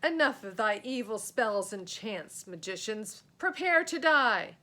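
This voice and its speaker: Storybook villain: a menacing Black Knight, played by a woman, pompous and declamatory, with big swooping pitch. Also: animated, measured pace, pushed and bright. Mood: angry, threatening. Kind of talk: children's storybook read aloud.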